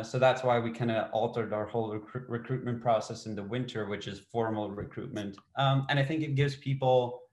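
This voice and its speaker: A young man giving informal interview answers, halting and repeating words as he goes. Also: mid-range voice. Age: young adult. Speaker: student council president, interviewee. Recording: roomy, echoing interview recording.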